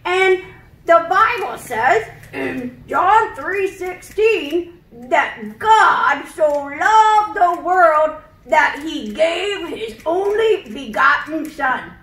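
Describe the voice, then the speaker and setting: A woman voicing a kindly old grandpa puppet in a children's show, teaching in a deliberate way. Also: very high voice, lively intonation, fairly bright tone, heavily acted. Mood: patient, earnest. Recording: echoey room.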